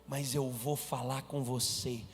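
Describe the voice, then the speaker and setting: A man voicing a calm, gentle God. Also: medium pitch, in a large hall, soft background music, pitched below the performer's own voice. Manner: soft, slow, reassuring.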